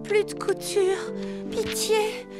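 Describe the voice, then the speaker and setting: A woman voicing an overworked, easily flustered seamstress girl in a French-dubbed children's cartoon, with expressive, theatrical delivery. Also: very high-pitched, slow, loud music behind the voice. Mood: weary, complaining.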